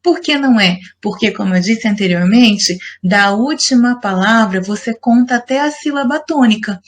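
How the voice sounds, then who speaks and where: A woman's voice: fairly high pitch, normal speed. Patient woman teacher explaining. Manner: patient, explanatory, asks the class rhetorical questions. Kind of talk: recorded online lesson.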